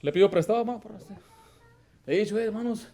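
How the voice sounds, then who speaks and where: A middle-aged man preaching as pastor of a church, putting questions to the congregation and building to loud emphasis. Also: high voice, animated, racing, creaky. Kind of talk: sermon.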